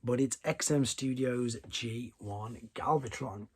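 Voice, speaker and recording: A man with a fading, hoarse voice, hosting a casual toy news roundup and rambling through asides and self-corrections. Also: mid-range voice, slow. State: losing his voice. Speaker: toy collecting channel host.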